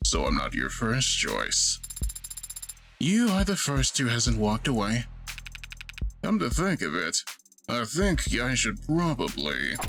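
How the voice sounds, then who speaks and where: Using a put-on character voice, a man speaks at a fairly slow pace with faint music in the background. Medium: virtual streamer. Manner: dry, understated.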